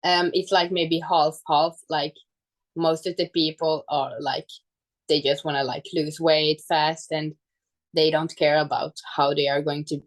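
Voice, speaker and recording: A woman's voice: sits low, level tone, unhurried. A woman from Finland, a native Swedish speaker with a Finland-Swedish accent, talking casually as an interview guest and searching for words in English. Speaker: guest, fitness coach.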